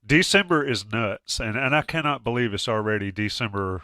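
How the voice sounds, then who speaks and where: A man's voice: on the low side, moderate pace, pushed and bright, no echo, clean studio sound. A man hosting a casual sports chat, stuffy from a cold, joking and restarting often. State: congested with a cold. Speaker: podcast host.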